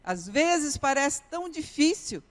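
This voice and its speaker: Slow-speaking woman preaching. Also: sits high, sing-song. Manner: earnest storytelling, repeats key phrases. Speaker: missionary preacher. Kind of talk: testimony sermon. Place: church sanctuary. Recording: reverberant church hall.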